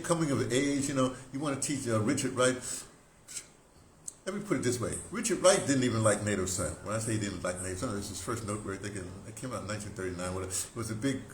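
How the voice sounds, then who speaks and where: A man in his seventies telling stories informally, in a halting, digressive way with emphatic stresses. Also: medium pitch, expressive. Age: 70s. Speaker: audio dramatist recounting theater history. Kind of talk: informal rambling storytelling to camera. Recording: roomy echo, background noise.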